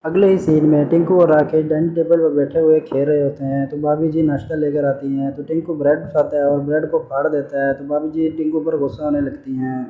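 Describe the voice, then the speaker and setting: A man's voice: a little high, little pitch movement, fairly quick, hardly any pauses, phone-quality sound. A man narrating a story recap in a casual, chatty way, talking straight to his viewers as friends. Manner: chatty, addresses listeners as brothers and friends. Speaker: channel narrator.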